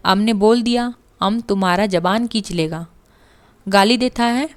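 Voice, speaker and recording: A woman voicing a gruff male traveler holding prayer beads who speaks in rough, broken sentences and makes threats. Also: mid-range voice, measured pace, lightly acted. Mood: gruff threatening.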